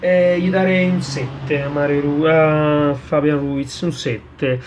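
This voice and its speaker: Higher-voiced Neapolitan man talking football, street slang. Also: steady tone, a little hiss or hum. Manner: halting, repeats words for emphasis. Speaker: football fan vlogger. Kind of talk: casual post-match player ratings, fan commentary. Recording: clear music behind the voice. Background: music.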